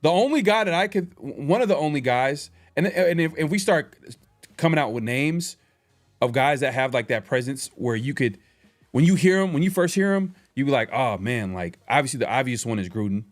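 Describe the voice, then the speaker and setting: A man's voice: medium pitch, expressive, brisk. A man co-hosting a casual sports talk show, rambling through his points with hedges and skeptical pushback.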